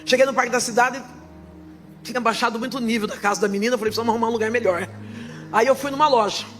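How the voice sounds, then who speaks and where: A woman pastor giving her testimony in church, her fervent preaching swelling into loud proclaiming. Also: on the high side, very fast, soft background music.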